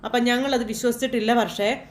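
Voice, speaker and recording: A woman's voice: on the high side, fairly even intonation, fairly quick, echoey room. Chatty woman retelling a TV serial. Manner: chatty, addresses the listener directly. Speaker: serial episode recapper. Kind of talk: casual spoken story recap.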